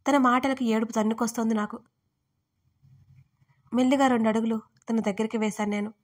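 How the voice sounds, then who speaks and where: A woman storyteller reading a first-person audio story in a steady, earnest way. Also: fairly high pitch, brisk. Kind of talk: scripted first-person narration.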